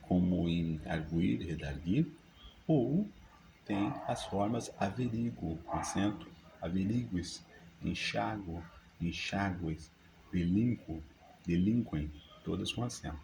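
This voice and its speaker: Guy teaching grammar, deep voice, noisy background. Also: lively intonation, gravelly. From Brazil. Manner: slow, deliberate dictation of examples. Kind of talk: reading grammar rules and word lists.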